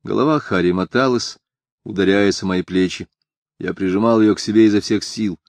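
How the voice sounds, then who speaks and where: Audiobook narrator: man with a lowish voice, measured first-person storytelling, dry close recording. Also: vocal fry, a little mellow, no echo.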